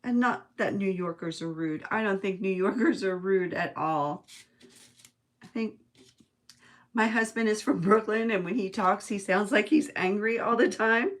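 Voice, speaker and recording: American lady doing a crafty livestream, just chatting away, kinda thinking out loud, chuckles a lot. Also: mid-range voice, measured pace. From United States. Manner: chatty, musing aloud, chuckling often. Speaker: host of a live craft stream. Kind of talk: casual craft-along chat, reading viewer comments.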